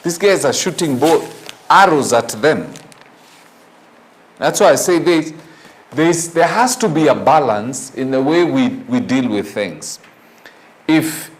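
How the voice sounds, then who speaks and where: A man with a Kenyan accent hosting a morning show, reading news in a halting, opinionated way with rhetorical questions. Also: medium pitch. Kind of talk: newspaper review with off-the-cuff opinion.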